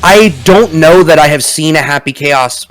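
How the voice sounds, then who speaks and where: Excitable man calling fighting game matches. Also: a little high, moderate pace, rough recording. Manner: excitable, animated, bursts of shouting at big plays. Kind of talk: esports play-by-play commentary. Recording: music playing underneath.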